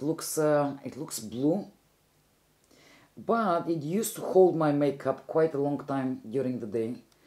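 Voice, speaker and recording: With a very deep, low pitch and a dark, mellow tone, a woman talks at a fairly slow pace using lively intonation. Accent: Bulgarian. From Bulgaria. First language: Bulgarian. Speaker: beauty vlogger. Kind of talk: makeup tutorial. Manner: casual, with fillers and hesitations.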